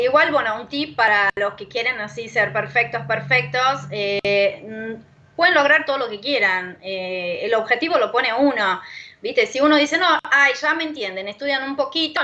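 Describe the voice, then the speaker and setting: A Brazilian woman whose first language is Portuguese, a language teacher chatting as an interview guest, pausing often with fillers. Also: on the high side, sharp tone. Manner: thoughtful, many pauses and fillers. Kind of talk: casual interview talk. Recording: dull lo-fi audio.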